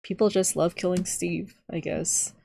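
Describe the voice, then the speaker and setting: A man's voice: high-pitched, fairly even intonation, unhurried, creaky, warm tone, a little hiss or hum. A young trans man streaming a game from home, chatting casually with lots of fillers and wry asides. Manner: rambling, many fillers, wry. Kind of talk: casual gameplay chat.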